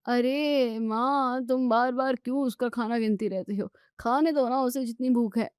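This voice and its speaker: A woman's voice: a little high, fairly even intonation, unhurried, a little mellow, clear, resonant tone, no room sound, clean studio sound, natural voice. A woman voicing an easygoing young husband who soothes and mildly scolds. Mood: soothing.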